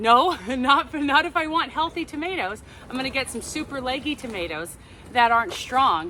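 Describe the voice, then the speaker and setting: A woman uses a raised, projected voice at high pitch with lively intonation and a moderate pace. Noticeable background noise is present. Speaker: gardener. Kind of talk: casual talk to camera. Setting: outdoors, windy greenhouse.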